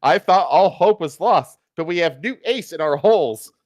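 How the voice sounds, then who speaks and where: A man's voice: sits high, lively intonation, normal speed, a little mellow, dry recording, pitched above the performer's own voice. Guy doing a melodramatic founding father for a silly story, dry close mic. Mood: renewed hope. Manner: earnest, melodramatic. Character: despairing, earnest male founding father, George Washington.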